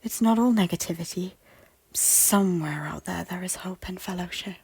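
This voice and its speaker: A woman playing a guilt-ridden noblewoman in an audio drama, pleading earnestly in formal, theatrical phrases with a breathy, husky voice. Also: on the low side, moderate pace, a little mellow, no room sound, full character voice. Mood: earnest reassurance. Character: guilt-ridden, repentant noblewoman and former schemer, earnestly hopeful. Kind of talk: audio drama acting of a Shakespeare-style story.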